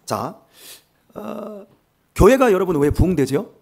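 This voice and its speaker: An older male pastor with a Chungcheong accent preaching a sermon in church, animated and self-mocking with humor. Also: high voice, slow, gravelly, husky. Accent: Chungcheong Korean. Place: church sanctuary.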